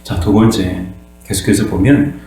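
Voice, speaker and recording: A man's voice: fairly low pitch, steady tone, moderate pace, warm tone. A male pastor giving a sermon, posing questions to the congregation and answering them himself, and sometimes acting out voices. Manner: acts out voices and cries dramatically. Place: church sanctuary. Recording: very echoey room with mains hum.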